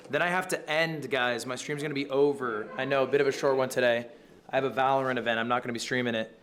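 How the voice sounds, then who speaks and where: A man's voice: medium pitch, a bit bright. Joking, cursing young male streamer. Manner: joking, swears freely, talks straight to chat. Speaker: streamer playing a university professor. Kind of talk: casual live-stream chat.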